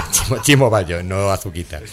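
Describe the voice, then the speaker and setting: A man with a Spain Spanish accent hosting a comedy podcast, sarcastic and often laughing mid-sentence. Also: low-pitched. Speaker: radio podcast host. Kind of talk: mocking comedic commentary.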